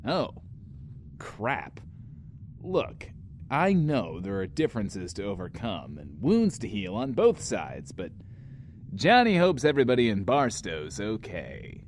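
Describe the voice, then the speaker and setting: A man's voice: lowish voice, wildly swooping pitch, slow, a little hiss or hum, heavily acted. A man playing an upbeat, self-absorbed radio DJ hosting a show in an audio drama. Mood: uneasy. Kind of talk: in-world radio show acting.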